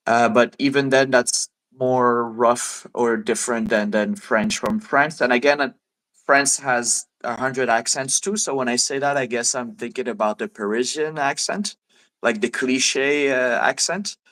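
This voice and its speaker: A man's voice: medium pitch, rough recording. French canadian guy w montreal accent, chatty, laughs a lot, kinda wired on coffee. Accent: Montreal Québécois. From Québec, Canada. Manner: lively, laughs often, coffee-fuelled. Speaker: guest. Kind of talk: casual chat.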